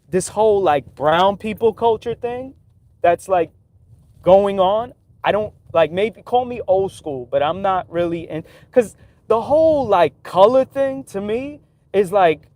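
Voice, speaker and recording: A man's voice: high voice, a little mellow, dry recording. A man talking casually in a livestream, giving his opinions in loose street talk full of "like" and "right?". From New York City.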